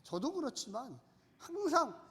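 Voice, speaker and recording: Male pastor, high-pitched, exhorting sermon delivery in a reverberant sanctuary. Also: sing-song, a little slow, pushed and bright. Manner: exhorting, calls on the congregation to repeat and respond. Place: church sanctuary. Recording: long church-hall reverb.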